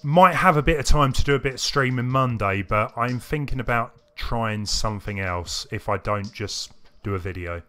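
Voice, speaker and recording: With music playing in the background, a man chats loosely and a bit ramblingly with viewers during a video game livestream. He sounds bright and forceful, at a medium pitch.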